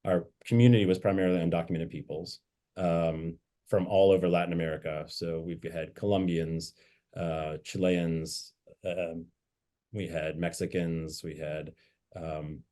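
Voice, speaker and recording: A man's voice: low voice, little pitch movement, a little slow, mellow. A man, a bishop, reflectively telling anecdotes from his life in a conversational interview. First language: English. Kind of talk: interview storytelling.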